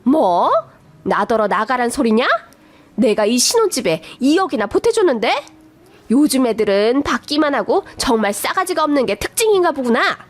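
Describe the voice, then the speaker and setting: A woman's voice: sits high, big pitch swings, moderate pace, dry recording. A woman voicing a domineering middle-aged mother-in-law who scolds and threatens in a radio story. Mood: furious.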